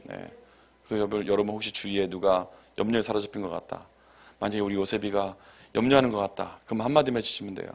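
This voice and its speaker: A man's voice: on the low side, fairly even intonation, quick pace, gravelly. A man preaching a Friday night sermon as pastor, telling a personal story in a chatty, conversational way. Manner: conversational storytelling with acted quotes and laughter. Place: church sanctuary.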